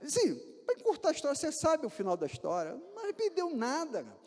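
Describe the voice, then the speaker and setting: A Brazilian pastor delivers a sermon in a church with a high, expressive voice. He fires off rhetorical questions and acts out little scenes as he preaches. His words ring with long reverb from the hall. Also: fast. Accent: Brazilian Portuguese. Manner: animated preaching with rhetorical questions and acted-out examples.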